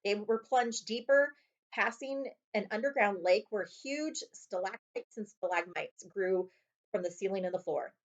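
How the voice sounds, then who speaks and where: A woman's voice: medium pitch, a little slow, muffled recording. A woman librarian narrating a children's chapter book as a read-aloud.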